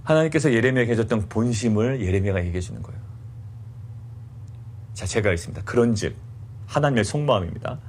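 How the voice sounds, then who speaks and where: A man's voice: lowish voice, lively intonation, quick pace, pauses often, a little mellow, slight background noise. A male pastor preaching at an early-morning prayer meeting, asking rhetorical questions and acting out the indignant voices of his listeners.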